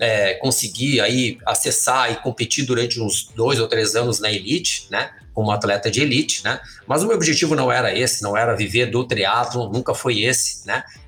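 Over noticeable background noise, a man talks at a moderate pace with medium pitch, ordinary pitch variation, and very even loudness. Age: 50s. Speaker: triathlon coach and former pro triathlete. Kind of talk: interview.

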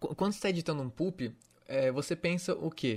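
A man's fairly high-pitched voice with lively intonation at a moderate pace, in a very clean recording with a silent background. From Santos, São Paulo state, Brazil. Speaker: YouTuber, interviewer. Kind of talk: casual chat. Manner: animated.

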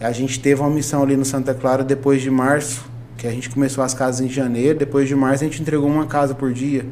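A man's medium-pitched voice, flat and monotone, at a very fast clip, with audible room echo and noticeable background noise. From Caldas Novas, Goiás, Brazil. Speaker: construction entrepreneur. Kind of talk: interview conversation. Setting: live-streamed podcast.

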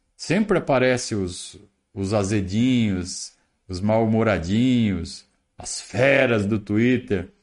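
A man's medium-pitched voice at a very slow pace over a quiet background. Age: 50s. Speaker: football commentator, live stream host. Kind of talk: casual live stream commentary on football news. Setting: live stream. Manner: repeats words, self-corrects.

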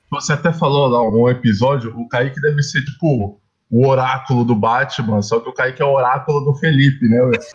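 At a fairly quick pace, a man talks in a medium, somewhat breathy voice with fairly even intonation. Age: 20s. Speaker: IT business owner, quiz master. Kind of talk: casual chat, game hosting.

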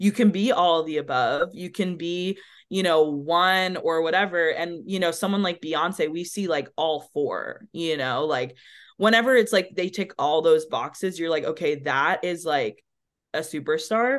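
A woman speaks at a fairly slow pace and a fairly low pitch, with ordinary pitch variation against a quiet background. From New Jersey. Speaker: recording artist. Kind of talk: casual interview chat. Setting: call.

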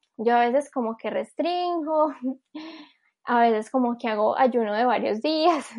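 An unremarkable speaking voice moves at a moderate speed, its pitch varying in an ordinary way. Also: woman. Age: 20s. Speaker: guest sharing experience of an eating disorder. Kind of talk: personal testimony in an interview.

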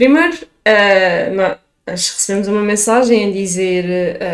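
A woman speaks in a normal speaking voice at a medium pitch, her intonation fairly even. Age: 20s. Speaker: physiotherapy student. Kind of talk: casual chat.

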